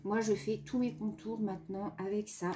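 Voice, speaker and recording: A woman's voice: mid-range voice, level tone, moderate pace, noisy background. A woman vlogger chatting casually about art supplies, sniffling from a runny nose and hesitating often. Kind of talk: casual chat.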